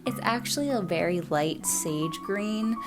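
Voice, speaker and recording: A sewing vlogger in her twenties chats casually in a bubbly, playful, hyperbolic way. Her medium-pitched voice has lively intonation and a measured pace. The recording has a roomy echo with music playing behind her.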